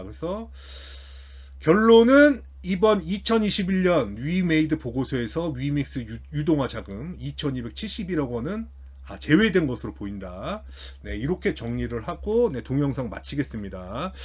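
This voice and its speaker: A man's voice: a little high, breathy edge. A man hosting a finance commentary, talking through an analysis unscripted and hesitantly, often repeating and restarting his phrases. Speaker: host of a finance commentary channel.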